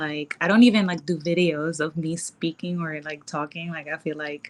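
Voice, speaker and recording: A woman with a Nicaraguan accent speaks at a moderate pace in a very deep, low pitch. Her intonation stays fairly even while her loudness swings widely. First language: Spanish. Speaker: podcast guest, social media influencer. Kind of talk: casual interview chat.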